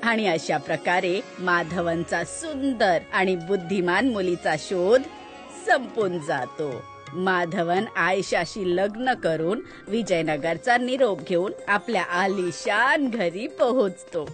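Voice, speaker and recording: Kindly cartoon storyteller auntie: unhurried, instructive narration with music underneath. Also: female voice, on the low side, animated. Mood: storytelling. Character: wise, kindly storytelling grandmother figure. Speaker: narrator and host. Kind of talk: scripted children's story narration.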